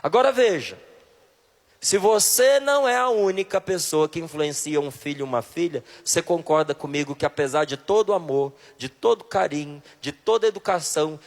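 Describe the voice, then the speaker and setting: A man from Brasília with a Brasília accent, preaching a sermon and questioning a live audience directly and emphatically. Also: a little high. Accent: Brasília Portuguese. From Brazil, Brasília. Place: large hall with a live audience. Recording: long reverb of a large hall.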